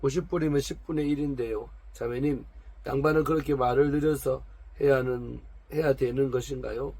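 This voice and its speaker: A man reading aloud the questions of a pastor's wife counseling a troubled woman, pointed and calm. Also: mid-range voice, a little fast, gravelly, breathy edge, dry recording. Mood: probing.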